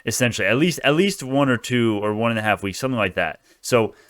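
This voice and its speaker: Male retail-trader host, crypto-bro swagger, quick and informal, clean smooth voice for off-the-cuff market commentary. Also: medium pitch, expressive, a bit bright, no echo, studio quality. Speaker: stock video host. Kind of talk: casual stock market commentary.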